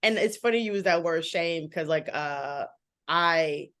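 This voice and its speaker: A woman in her thirties, a guest in a casual interview, talking quickly and animatedly with many "like" fillers. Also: deep voice. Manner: fast, animated, frequent "like" fillers. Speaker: guest, author and model.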